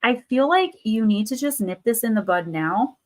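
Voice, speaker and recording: A woman's voice: fairly high pitch, lively intonation, moderate pace, a little mellow. A woman hosting a live card reading stream, losing her voice with a sore throat, chatting loosely with many fillers and restarts. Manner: reads card texts aloud, then riffs loosely with fillers and restarts. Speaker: tarot and oracle card reader, channel host.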